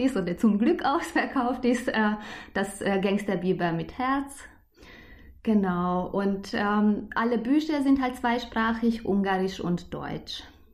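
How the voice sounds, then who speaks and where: With audible room echo, a somewhat breathy voice in a Hungarian accent moves at a very slow pace with lively intonation. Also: woman. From Hungary. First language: Hungarian (speaking German). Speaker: children's book author. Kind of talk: interview. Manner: halting.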